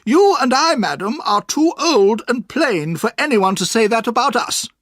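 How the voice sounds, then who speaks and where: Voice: medium pitch, animated, normal speed, no echo, clean studio sound, voice pushed up. A narrator voicing a stern, cross elderly aunt who is kind underneath, speaking sharply and bossily. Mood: firm, sharp. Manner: sharp and bossy, shouting when angry. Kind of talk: storybook reading.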